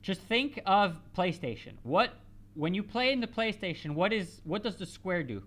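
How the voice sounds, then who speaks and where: A host whose first language is Spanish, chatting casually through a live football match, answering viewers in a rambling, halting way full of restarts and switching between English and French. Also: mid-range voice, expressive, a bit bright. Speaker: host of a live football watch-along stream.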